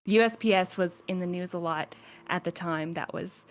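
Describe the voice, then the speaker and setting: A woman speaks in a moderately low voice. She co-hosts a podcast in a relaxed, casual chat style. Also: moderate pace. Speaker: podcast co-host.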